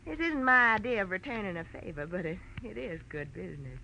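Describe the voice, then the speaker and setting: A woman's voice: medium pitch, lively intonation, fairly quick, creaky, bright, forceful tone. An actress playing a brassy, mercenary young gangster's girl in a 1940s radio crime drama, slangy and taunting. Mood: cool, taunting. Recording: noisy vintage radio recording.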